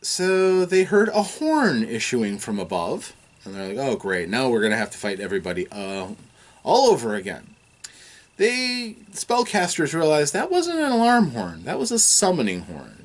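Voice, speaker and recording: A man in the role of game master, recapping a tabletop game session in a chatty way, with frequent fillers like "uh" and quick bits where he acts out the characters. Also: on the high side.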